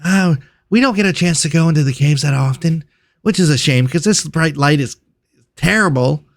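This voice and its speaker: A man's voice: on the high side, normal speed, dry recording, clean studio sound, close to an everyday voice. A man voicing a chatty clawed creature who works hard at a resort, in a hesitant, gossipy, rambling manner for a tabletop game. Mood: chatty, earnest. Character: chatty clawed cave-loving resort worker, friendly and overworked.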